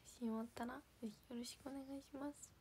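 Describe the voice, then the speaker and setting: A woman's voice: high-pitched, steady tone, fast talker, warm tone, slight background noise. A young woman chatting casually to viewers on a livestream, giggling and sometimes dropping to a whisper. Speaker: idol livestream host.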